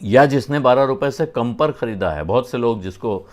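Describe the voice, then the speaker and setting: A man talks through market news in a relaxed, conversational way. He stops now and then to clarify terms. His voice sits at a middle pitch for a man. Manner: conversational, explains terms with frequent "uh" pauses. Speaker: business news commentator. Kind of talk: explanatory business commentary.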